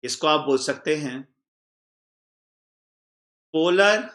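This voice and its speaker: A man's voice: on the high side, lively intonation, extremely slow. A man teaching an exam-prep chemistry class, repeating key points, quizzing the class and answering himself. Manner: calls the students "children" warmly.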